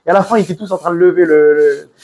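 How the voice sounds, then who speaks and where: A man's voice: on the high side, steady tone, rapid-fire, a little mellow. A man from France with a French accent, giving an informal sermon full of stories, restarts and Hebrew religious terms. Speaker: preacher.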